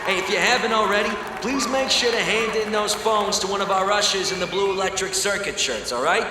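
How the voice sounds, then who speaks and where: Far off in a big echoing space over a noisy crowd, a male actor plays a brazen scooter-race emcee. He pitches his voice high and pours out bombastic, charming showman patter. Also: fairly quick, lightly acted. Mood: brash, coaxing. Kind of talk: acted audio drama, race emcee speech. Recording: echoey, distant announcer over noisy crowd.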